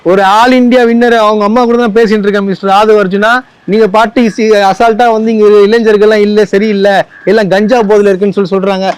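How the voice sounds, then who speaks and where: Quick high-voiced man interviewing in the street. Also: little pitch movement, clear, resonant tone. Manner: leading, provoking questions, echoes answers. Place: outdoors on a street.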